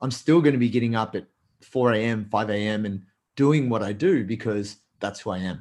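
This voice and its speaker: Medium-pitched male speech, fairly quick, with ordinary pitch variation. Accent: Australian. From Australia. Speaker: Brazilian jiu-jitsu athlete, coach and author. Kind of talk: interview.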